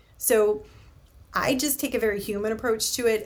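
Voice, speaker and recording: A woman speaks in an unremarkable speaking voice. Her pitch variation is ordinary. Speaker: HR leader. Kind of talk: interview conversation.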